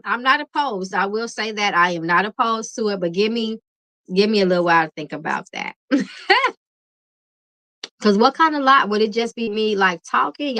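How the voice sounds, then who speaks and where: A woman hosting a late-night tarot livestream, chatting casually with viewers in a relaxed, calming voice and laughing often. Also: medium pitch, rough recording. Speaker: tarot reader and livestream host.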